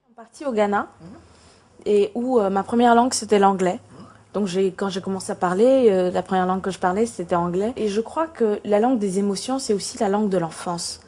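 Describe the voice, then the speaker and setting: A woman singer with a mellow, dark voice speaks reflectively in an interview clip. She uses fillers as she gathers her thoughts. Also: medium pitch, a little fast.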